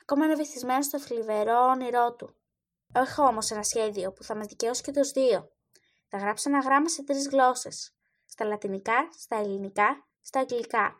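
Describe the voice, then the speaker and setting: Woman reading loyal knight thinking out loud, mutters, high voice, storybook. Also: natural voice. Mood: musing. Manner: musing, muttering to himself. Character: loyal grown knight, gentle and worried.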